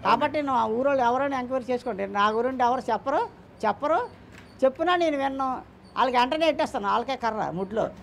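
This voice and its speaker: A man's voice: extremely high pitch, fast talker, gravelly, a bit bright, slight background noise. An older man answering interview questions about his son, speaking emphatically and often repeating himself or quoting what others said. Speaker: interviewee, the father of a man in the news.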